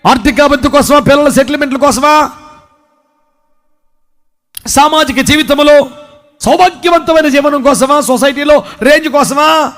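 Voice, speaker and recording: A male pastor delivers a sermon with a strikingly high voice, far above most men's. He presses his listeners with rapid rhetorical questions, scolding and then exhorting them. His delivery is emphatic throughout. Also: fairly bright tone.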